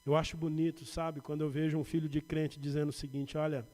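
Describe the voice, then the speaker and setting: A man with a São Paulo Brazilian accent preaching a sermon as pastor, building to emphatic points and dropping to quiet asides. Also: on the high side, level tone, fast talker. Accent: Brazilian Portuguese, São Paulo. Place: church sanctuary. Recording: reverberant church hall.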